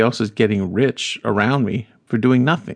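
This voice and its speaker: A man with an American accent speaks with vocal fry and ordinary pitch variation. The sound is dry and close, with no echo. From North Carolina, US South. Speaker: podcast host. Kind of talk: solo podcast monologue.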